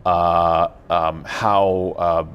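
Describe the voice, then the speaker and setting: Deep-voiced man. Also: little pitch movement, clear, resonant tone, muffled recording. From Ukraine. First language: Russian. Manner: halting, many fillers and restarts. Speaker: guest explaining blockchain tech. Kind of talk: casual interview answers.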